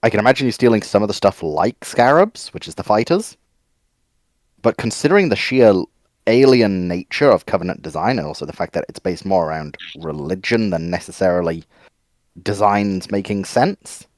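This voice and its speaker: A man taking part in a casual analytical discussion, reasoning in a measured, sceptical way. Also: lowish voice, lively intonation, no room sound. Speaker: discussion panelist.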